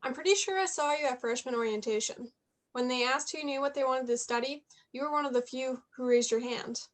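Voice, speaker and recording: A woman playing a high-voiced, inquisitive college girl. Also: brisk, natural voice. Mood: concerned, friendly. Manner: chatty, teasing, probing. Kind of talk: staged reading of a play, naturalistic dialogue.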